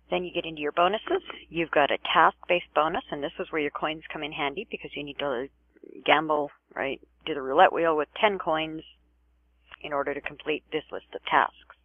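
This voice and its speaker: A man with a somewhat high voice walks through a website tutorial in a laid-back way, checking in with "right?" as he goes. His voice is narrow and tinny, like a phone line, and the room sound is very dry. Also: gravelly, no echo. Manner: relaxed, says "right" and "all right" often. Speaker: tutorial narrator. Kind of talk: casual screen-recorded walkthrough.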